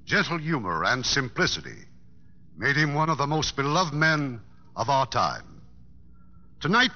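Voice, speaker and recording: Grand bright-voiced old-time radio host man. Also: medium pitch. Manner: grand, formal, measured. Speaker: radio theater host and announcer. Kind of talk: formal 1950s radio scripted narration. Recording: dull old radio broadcast recording.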